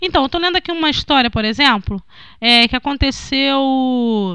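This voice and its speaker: A raised, projected voice with a bright, sharp tone, ordinary pitch variation and a moderate pace against a quiet background. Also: woman. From Rio de Janeiro suburbs. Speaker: podcast co-host. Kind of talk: casual chat.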